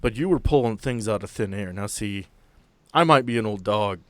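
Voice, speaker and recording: A man playing an earnest, blunt veteran agent with a folksy, salty, deliberate way of talking in a tabletop game. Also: fairly low pitch, no room sound, natural voice. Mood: blunt, confiding.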